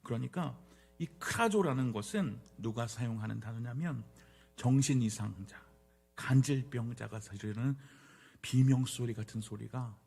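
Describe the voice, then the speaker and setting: A man preaching a Wednesday sermon as pastor, acting out scenes with dramatic swings between hushed whispers and loud cries. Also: mid-range voice, measured pace, creaky, slightly rough, soft background music.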